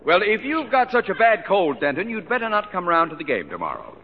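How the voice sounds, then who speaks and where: Pompous, explosive principal; high, lively delivery; muffled vintage radio broadcast. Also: male voice, fairly quick, exaggerated voice. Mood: blustering. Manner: bossy, explosive, shouting orders. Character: pompous blustering middle-aged male school principal. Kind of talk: 1940s radio comedy acting. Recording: muffled old radio broadcast, reverb, heavy hiss.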